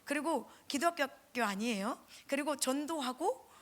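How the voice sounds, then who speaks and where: A middle-aged woman, a pastor's wife, giving a lively testimony at a church revival and acting out the voices of the people she quotes. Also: high-pitched, normal speed.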